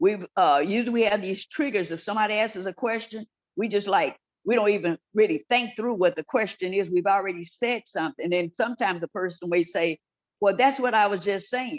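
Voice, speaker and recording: A woman's fairly quick, medium-pitched voice in a Texan accent, with ordinary pitch variation and a dry, close sound with no echo. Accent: Texan, often taken for Louisiana. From Texas. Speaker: book club participant. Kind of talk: group discussion.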